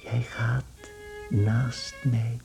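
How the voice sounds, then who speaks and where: An actor playing a young man turned beetle in a radio drama, speaking his devoted, brooding thoughts in an intimate hush that slips into whispers. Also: mid-range voice, level tone, vocal fry, music in the background, rough recording. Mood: tender, dreamy. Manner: slow, hushed, intimate, breaking into whispers. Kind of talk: radio drama inner monologue.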